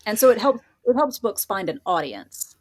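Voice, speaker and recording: A woman's voice: medium pitch, big pitch swings, normal speed, a little mellow. A woman speaking as a podcast guest, a writer and professor, giving articulate, explanatory answers in a conversational interview.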